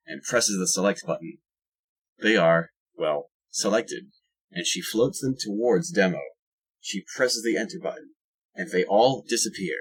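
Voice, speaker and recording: Low, husky male narrator. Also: a bit bright, rough recording. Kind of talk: scripted audio drama narration, with wry asides.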